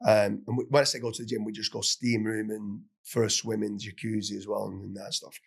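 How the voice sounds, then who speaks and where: A man hosting a podcast, telling a funny story in a casual, animated way with plenty of swearing and laughter. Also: on the low side, a little fast, gravelly, breathy edge. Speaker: podcast host.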